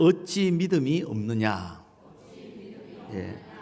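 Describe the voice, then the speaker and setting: Audible room echo around male speech that swings very widely in pitch. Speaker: pastor. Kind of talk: sermon. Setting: church.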